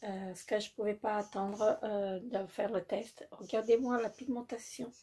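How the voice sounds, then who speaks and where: A woman's voice: medium pitch, little pitch movement, normal speed, dark tone. A woman vlogger presenting a makeup haul in a casual, hesitant way, full of fillers and repeated praise. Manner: hesitant, many fillers, repeats "très joli"; apologizes for her English. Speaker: beauty vlogger.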